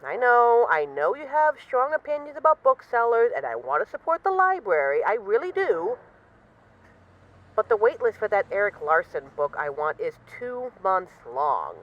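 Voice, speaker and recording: Woman as a witty, animated lady mafia boss. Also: mid-range voice, moderate pace, muffled recording, lightly acted. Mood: affectionate, coaxing. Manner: wry, boastful, teasing, mock-indignant, swearing casually. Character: witty, self-assured female mafia boss, bored, affectionately teasing her partner. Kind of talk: intimate audio roleplay monologue as voice messages.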